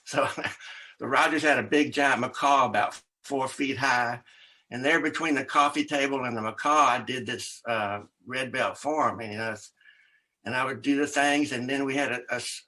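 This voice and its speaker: An older man, an author, telling a rambling story as an interview guest, often quoting others and laughing. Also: medium pitch. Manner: rambling, animated storyteller with laughs and quoted voices.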